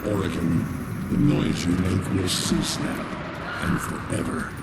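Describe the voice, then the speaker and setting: An actor playing a vengeful, shadowy warlord in a video game, ominous and declamatory in an archaic way. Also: male voice, expressive, unhurried. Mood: menacing. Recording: loud game rumble and noise.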